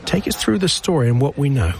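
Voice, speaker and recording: A man's voice: on the high side, big pitch swings, quick pace, gravelly, slight background noise. A male news anchor interviewing a correspondent in a conversational, guiding way.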